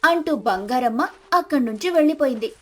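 High-voiced woman narrating a story over music. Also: lively intonation, fairly quick. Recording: music behind the voice.

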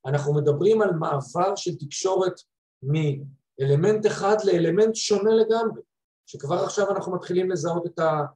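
A man's voice: high voice, animated, darkish tone, reverberant. A man speaking emphatically, explaining his points in an online panel discussion over a video call.

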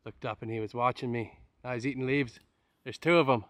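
A male travel vlogger narrates casually while hiking outdoors in a rainforest, joking to himself on a handheld camera. His mid-range voice is fairly bright with fairly even intonation and a brisk pace, and there's no room sound.

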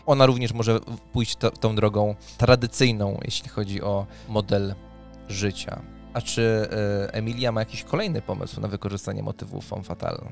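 A man in his thirties with a fairly low voice and a clear gravelly fry hosts a podcast discussion. He speaks haltingly, phrase by phrase, close to a studio mic, with music playing underneath. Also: fairly even intonation. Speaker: co-host. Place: indoors, small dim home studio. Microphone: close studio microphone on an arm, headset.

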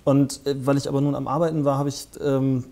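Man in his forties, mellow dark tone, hesitant, lots of fillers, studio interview guest, lapel mic. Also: mid-range voice, little pitch movement, fast. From northern Germany. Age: 40s. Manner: hesitant, many fillers and restarts. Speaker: interview guest, festival founder. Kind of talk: conversational interview. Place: small studio set with armchairs.

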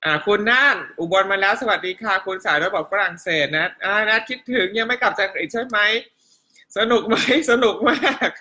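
A woman's voice: mid-range voice, fast, hardly any pauses. A middle-aged woman teaching a casual live online class, chatting and reading viewers' comments aloud in a friendly teacher's manner. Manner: chatty, warm teacher tone, polite particles, frequent laughs. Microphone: home live-stream setup.

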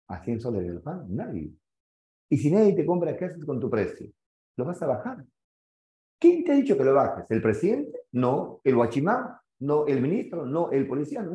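A man with a Peruvian accent teaching economics in an animated, questioning way, acting out little stories for his students. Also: medium pitch. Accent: Peruvian Spanish. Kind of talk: lively classroom lecture. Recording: echoey room, dull sound.

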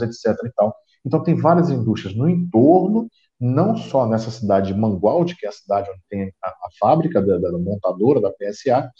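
A man's voice: mid-range voice, mellow. A middle-aged Brazilian man on a video call, explaining at length with frequent restarts. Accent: Brazilian Portuguese. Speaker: guest. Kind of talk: casual chat on a video call. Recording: roomy, dull video call audio.

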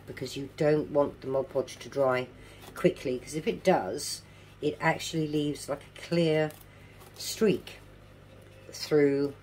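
A middle-aged woman with a low voice and toothless, softened articulation walks through a craft demonstration. She takes it slowly and casually, repeating key instructions. She is recorded at a home table with noticeable background noise. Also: low-quality recording. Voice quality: toothless, slightly slurred articulation. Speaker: craft tutorial presenter.

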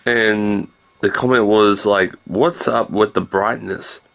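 Male vlogger, thirties, lowish pitch with heavy fry, casual and meandering delivery, shot handheld indoors. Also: fairly even intonation, slow, fairly bright tone. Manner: low-key, meandering, jumps between everyday subjects. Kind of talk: casual rambling video diary. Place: small room indoors. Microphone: handheld camera at arm's length.

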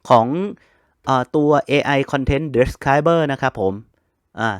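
A man's voice: medium pitch, slow pace, clean tone, no room sound, studio quality. A man hosting a casual computer tutorial, chatting to viewers and spelling out keyboard shortcuts step by step. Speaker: host of a computer help channel. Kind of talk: casual screen-reader tutorial.

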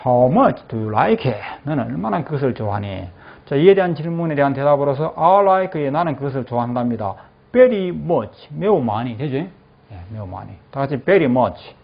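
A male English teacher in a classroom, saying phrases slowly and then explaining them, often checking that the class follows. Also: mid-range voice, lively intonation, creaky. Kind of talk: classroom lecture with repeat-after-me drills. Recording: dull lo-fi classroom recording.

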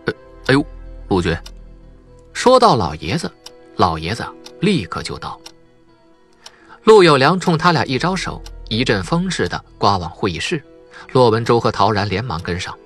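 A man's voice: medium pitch, sing-song, moderate pace, a bit bright, faint music behind. A man reading a novel aloud as an audiobook narrator, in scripted dramatic storytelling.

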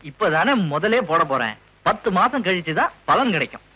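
A cheeky young son. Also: male voice, sits high, very animated, a little fast, pushed and bright, full character voice, rough recording. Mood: teasing. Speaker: young son starting a business. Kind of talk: 1980s Tamil film comedy.

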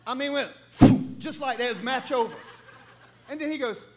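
Man preaching, very high voice, middle-aged, lively joking storyteller, shouts now and then. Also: moderate pace, a little hiss or hum. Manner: animated humorous storytelling, sometimes shouting. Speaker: pastor. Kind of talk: sermon. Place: church.

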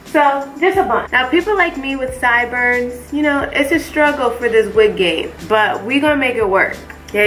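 A woman's voice: mid-range voice, pushed and bright, low-quality recording. Stuffy-voiced upbeat young woman vlogger. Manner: chatty and upbeat, addressing viewers directly. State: stuffy from the flu. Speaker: beauty vlogger. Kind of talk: casual hair tutorial.

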